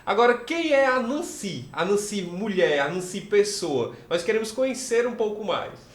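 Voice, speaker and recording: Co-host: cheerful high-voiced man, exclamatory, recorded with roomy echo. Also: animated, moderate pace. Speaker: podcast co-host. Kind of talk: casual podcast chat.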